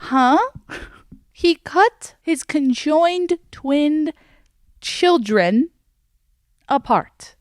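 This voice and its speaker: A woman's voice: sits high, expressive, drawn-out words, pauses often, no room sound, studio quality. A woman hosting a video, telling a film's story casually with wry, dramatic emphasis. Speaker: video host. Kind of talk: casual film commentary and storytelling.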